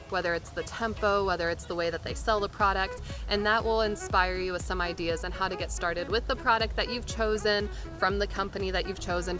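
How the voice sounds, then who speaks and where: Low-pitched woman explaining over music. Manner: informal, step-by-step explaining. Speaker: voice actor giving a tutorial. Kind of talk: explanatory how-to tutorial talk. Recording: music behind the voice. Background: background music.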